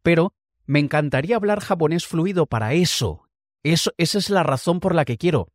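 A man's voice: on the high side, animated, brisk, no echo, clean studio sound. A man giving a conversational, reflective motivational talk and drawing on personal examples. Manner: occasional light laughs. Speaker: motivational speaker. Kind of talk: motivational monologue.

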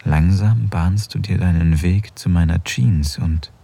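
An actor playing an affectionate married man in an intimate audio drama, speaking softly and close to a whisper. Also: low-pitched, a little slow, gravelly, breathy edge, heavily acted. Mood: tender. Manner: soft, intimate, often near a whisper. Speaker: husband in an erotic audio drama.

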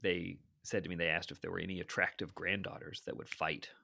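A middle-aged man telling stories in a casual interview, animated and laughing often. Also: deep voice, fairly quick, vocal fry. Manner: animated, laughs often, acts out quoted voices. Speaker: TV producer and guest.

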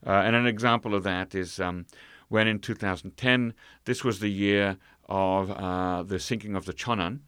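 A man telling a travel story in an interview, halting, full of fillers and restarts. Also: lowish voice, fairly even intonation, fairly bright tone, clear, resonant tone, no echo, clean studio sound. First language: English. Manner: hesitant, many fillers and restarts. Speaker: guest. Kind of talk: conversational storytelling.

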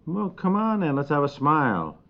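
A man's voice: on the high side, big pitch swings, moderate pace. A man playing an affectionate, concerned suburban father in a 1950s radio comedy, speaking in a homely, coaxing, conversational way. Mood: fond, coaxing. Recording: dull 1950s radio recording.

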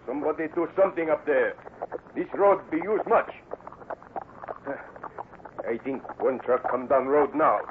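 Man doing a steady careful scout sidekick, clipped broken english, old radio western, tinny and hissy. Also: fairly high pitch, close to an everyday voice. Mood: observant. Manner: measured, terse, stilted broken English. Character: steady, cautious Native scout sidekick to boy hero. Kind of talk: old-time radio adventure acting. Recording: noisy, narrow-band old radio recording.

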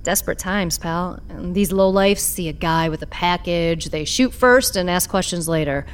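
A woman acting a wry, streetwise black-market trader who patches up cyborgs in a sci-fi audio drama, sardonic and expressive. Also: on the low side, moderate pace, clear, resonant tone, close to an everyday voice. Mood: matter-of-fact, reassuring.

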